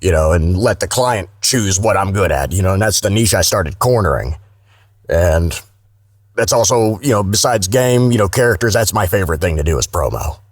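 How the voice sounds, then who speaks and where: A man with a low voice chats casually as an interview guest on a podcast. He is candid and salty-tongued, and the sound is dry and close. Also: lively intonation, normal speed, no echo. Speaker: guest voice actor.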